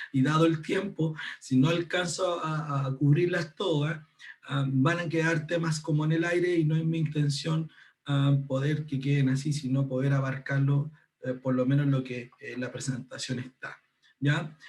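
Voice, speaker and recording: Talking at a fairly slow pace, a man has a fairly high pitch and an unremarkable speaking voice. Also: fairly even intonation. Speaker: bible teacher. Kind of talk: online workshop lecture. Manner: many fillers and repetitions.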